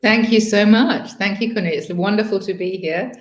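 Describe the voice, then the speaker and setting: A woman's voice: mid-range voice, normal speed, roomy sound, low-quality recording. A woman from Switzerland in her fifties with a British-schooled English accent, a podcast guest who talks in a hesitant, reflective way with many restarts. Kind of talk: casual podcast conversation.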